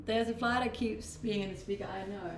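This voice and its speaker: A woman's voice: medium pitch, steady tone, brisk, echoey room, a little hiss or hum. A young woman with a Danish accent, chatting casually with viewers on her stream and laughing easily. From Denmark. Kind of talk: casual chat reading viewer questions. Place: rented house, indoors.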